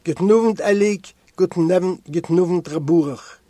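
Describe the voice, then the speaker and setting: A man voicing a feverish young male prisoner who speaks weakly, quietly and haltingly while reading a storybook aloud. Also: high voice, no room sound.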